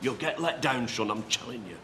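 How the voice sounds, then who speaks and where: An actor with a Yorkshire accent playing a weary, bitter older father who speaks bluntly and gruffly. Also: mid-range voice, lively intonation, brisk, sharp tone, slight background noise. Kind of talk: TV soap drama acting.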